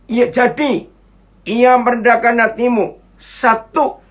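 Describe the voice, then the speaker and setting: A man's voice: sits high, animated, slow pace, fairly bright tone. A man preaching a sermon over a video call, chatty, asking his listeners questions and greeting viewers as they join. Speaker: pastor. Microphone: computer mic on a video call.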